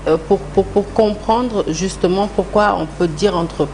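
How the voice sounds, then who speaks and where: A woman hosting a studio news interview, phrasing her questions in a halting, repetitive way. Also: medium pitch, a little mellow, a little hiss or hum. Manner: hesitant, halting phrasing with repeated words. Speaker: TV news host interviewing a guest.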